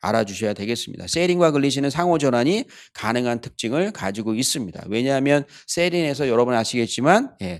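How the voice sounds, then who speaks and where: On a very clean recording with a silent background, a man of medium pitch speaks at a fairly quick pace with lively intonation. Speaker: exam prep lecturer. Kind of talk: lecture. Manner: fast.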